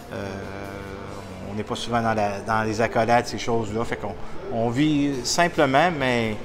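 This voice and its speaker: Speaking very slowly in a Quebec accent, a man uses medium pitch and ordinary pitch variation amid audible room echo and noticeable background noise. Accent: Québécois French. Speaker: motivational speaker. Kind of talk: interview testimony. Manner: loud.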